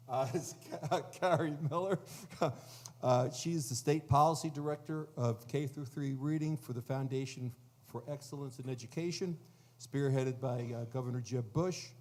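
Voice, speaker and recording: A man moderating a conference panel, introducing the guests formally in a measured way with frequent fillers. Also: medium pitch, a little mellow.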